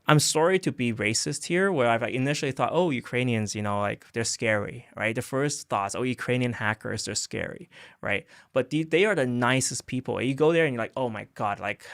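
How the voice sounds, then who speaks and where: A man's voice: mid-range voice, a bit bright, clean tone, no room sound, studio quality. A man hosting a crypto news show, talking casually and rambling with lots of fillers and "right?" tags. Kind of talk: casual unscripted commentary.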